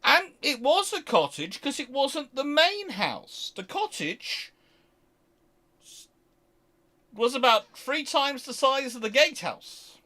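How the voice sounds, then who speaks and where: A British man hosting a casual question-and-answer chat, talking in a rambling, halting way and often interrupting himself. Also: very high voice. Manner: rambling, halting, animated anecdotes with self-interruptions. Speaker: host answering viewer questions.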